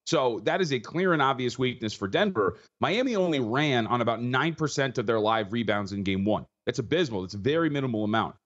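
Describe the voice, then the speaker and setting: Husky, tired man talking fast. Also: medium pitch, expressive, fairly bright tone, muffled recording. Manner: fast, stat-heavy, with frequent restarts. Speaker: betting analyst guest. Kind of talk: rapid sports betting analysis.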